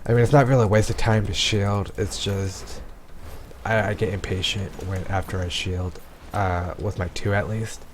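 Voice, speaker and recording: A man with a low voice talks through his gameplay in a loose, rambling way, often restarting his sentences. His voice is going hoarse, and faint noise sits under the recording. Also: fairly even intonation, moderate pace. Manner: rambling, frequent ums and restarts. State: losing his voice. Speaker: gameplay commentator. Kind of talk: casual let's-play commentary.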